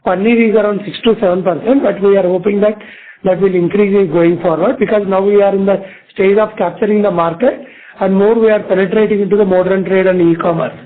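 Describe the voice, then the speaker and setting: High-pitched Indian man on a phone line. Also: steady tone, quick pace. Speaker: company finance executive on an earnings call. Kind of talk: answering analyst questions. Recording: tinny narrow phone-line conference call.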